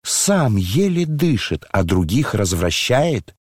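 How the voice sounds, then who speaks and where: A man's voice: very animated, takes it slowly, a little mellow, slightly rough, no room sound, full character voice. A man doing indignant older noblewoman Lizaveta. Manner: indignant scolding, shrill outbursts. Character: agitated noble older woman, scolding. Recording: dry close studio sound.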